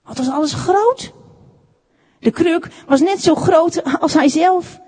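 A woman reading a children's story aloud, expressive and unhurried. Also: very high-pitched. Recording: echoey room with long reverb.

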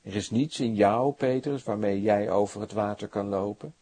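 A man preaching who speaks the lines of a calm, gentle, authoritative male savior in a reassuring and quietly commanding tone. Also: fairly low pitch, moderate pace, close to an everyday voice.

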